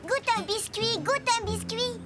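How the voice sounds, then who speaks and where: Tiny cartoon boy, super high voice, slow childlike talk, music behind. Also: lively intonation. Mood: eager. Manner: childlike, simple short phrases. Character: small three-year-old boy, curious, playful, easily scared.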